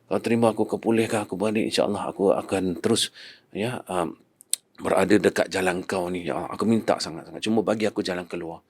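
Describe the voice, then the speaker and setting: A man's voice: low-pitched, steady tone, quick pace, breathy edge, dry recording. A man with a Malaysian Malay accent, a podcast guest, earnestly recounting his faith testimony and repeating his own past prayers.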